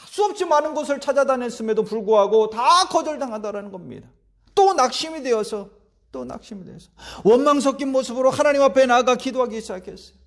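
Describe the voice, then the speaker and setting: A male pastor giving a sermon, telling a story earnestly and moving between loud emphasis and hushed drops. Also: very high-pitched.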